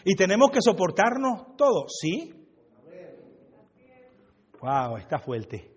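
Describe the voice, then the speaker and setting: A man's voice: high-pitched, wildly swooping pitch, slow, big-room sound, a little hiss or hum. A Puerto Rican man from Brooklyn, preaching a joking, conversational sermon and talking back and forth with his congregation. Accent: Puerto Rican Spanish. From USA (Brooklyn), Puerto Rican family. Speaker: pastor. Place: church hall.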